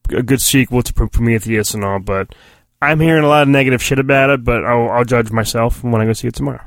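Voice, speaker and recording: A man's voice: mid-range voice, fast talker, no echo. A man co-hosting a movie podcast, chatting in an easygoing way and laughing along. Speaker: podcast co-host. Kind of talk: casual chat.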